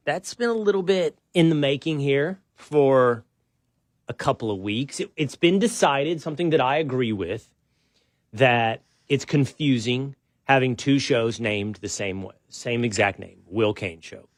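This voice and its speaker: Relaxed, rambling male show host. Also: medium pitch, unhurried, dry recording, studio quality. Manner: relaxed and rambling, with frequent restarts and self-deprecating asides. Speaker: podcast host. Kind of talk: casual show-opening chat.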